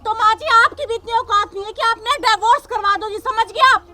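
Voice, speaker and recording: Actress as a young village daughter-in-law policewoman, defiant and preachy, bright high voice. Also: brisk, slight background noise, full character voice. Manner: combative, lecturing, repeats "samajh gaye".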